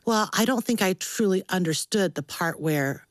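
Low-voiced woman in a dry studio. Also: normal speed, no room sound. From born in Taiwan, moved to the United States. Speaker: guest author. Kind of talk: conversational interview.

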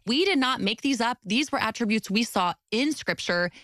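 A woman author talking as a guest in an interview, with a loud voice and expressive delivery that often leaps high in pitch. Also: moderate pace, no room sound, studio quality. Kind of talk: faith-based interview talk.

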